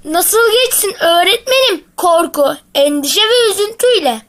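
Cartoon schoolboy: tiny, very high childlike voice, quick-witted, cheeky, confident know-it-all. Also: female voice, animated, a bit bright. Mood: worried. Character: witty, cheeky schoolboy, pious know-it-all with a ready answer. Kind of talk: scripted comic cartoon dialogue.

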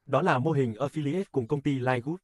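A man's voice: mid-range voice, moderate pace, no room sound, close to an everyday voice. Man acting a friendly cartoon businessman, dry studio sound. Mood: friendly, persuasive. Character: friendly businessman pitching a venture to an acquaintance. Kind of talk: scripted cartoon advertisement dialogue.

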